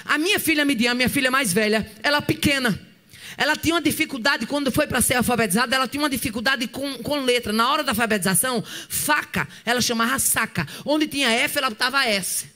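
Woman preacher, very bright and sharp voice, fervent shouted sermon. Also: high voice, fast talker. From Northeast Brazil. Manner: shouting bursts and tongues, fervent.

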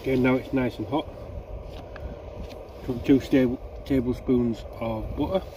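A man's voice: medium pitch, fairly even intonation, measured pace. Sizzling pan noise, guy a bit far from the mic doing a casual outdoor cooking vlog, just talking thru the steps off the cuff. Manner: informal, unscripted, thinking aloud. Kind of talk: casual step-by-step cooking narration. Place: outdoors at a woodland camp, beside a cooking pan. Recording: distant mic, loud sizzling frying noise. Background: frying and bubbling food.

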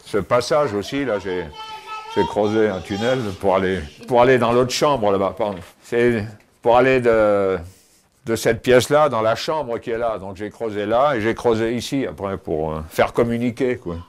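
An older man giving a casual tour of his cave home, talking with many pauses and fillers, recorded on a camera mic as he moves around. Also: on the low side. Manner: hesitant, many fillers and restarts. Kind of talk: casual spoken house tour. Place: inside stone cave rooms and outdoors by cliffs.

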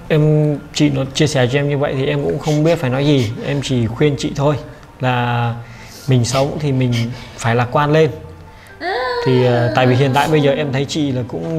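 A man vlogger gently interviewing a family and talking to his viewers, soft-spoken and hesitant, often repeating his words. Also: mid-range voice, fairly even intonation, normal speed, creaky, over music.

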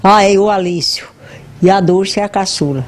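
Very old Brazilian woman, halting speech. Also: mid-range voice. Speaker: interviewee. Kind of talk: casual reminiscing in an interview. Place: at home, seated in a chair. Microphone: handheld interview microphone.

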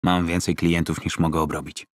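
A weary middle-aged fight trainer, played by a male audiobook narrator. The voice is low and recorded very dry. He talks bluntly and curtly, gruff and quick to swear. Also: flat delivery, no echo, close to an everyday voice.

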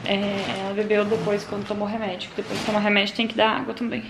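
A woman vlogging casually to her viewers from a bedroom at night, talking in a chatty way that often drops to a hushed murmur. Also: medium pitch, flat delivery, fast, reverberant, background noise. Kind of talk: casual vlog chat to viewers.

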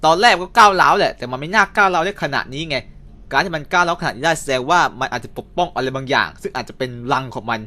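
A young man casually recapping and reviewing a cartoon episode, chatty with quick asides. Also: fairly high pitch, animated, bright, forceful tone.

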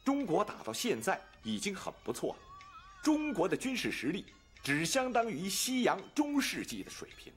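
A smug, fawning Beijing man in a period TV drama, lecturing in a self-important way. His high voice rises and falls dramatically as he speaks. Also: wildly swooping pitch, normal speed. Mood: ingratiating. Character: smug man working at the British legation, John. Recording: drama soundtrack with faint music.

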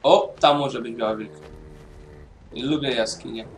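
A man's voice: mid-range voice, unhurried, distant mic, slight background noise. A man casually commenting on his own gameplay, mumbling to himself and swearing now and then. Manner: mumbling to himself while playing. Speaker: gaming YouTuber. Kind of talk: casual let's-play commentary.

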